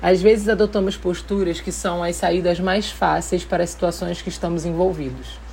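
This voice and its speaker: Noticeable noise sits behind a woman who talks at a moderate speed. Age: 30s. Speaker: subscription box creator and astrology guide. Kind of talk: explanatory monologue.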